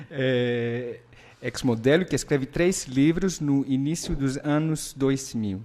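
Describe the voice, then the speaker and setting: A man speaks at a very slow pace with a medium pitch. His pitch variation is ordinary. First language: not Portuguese (speaking Portuguese). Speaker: doctoral researcher. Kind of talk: academic presentation. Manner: halting, many fillers and self-corrections.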